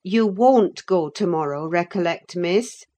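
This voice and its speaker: A woman's voice: fairly low pitch, animated, mellow. A woman doing a stern, scolding housekeeper. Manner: firm and brisk.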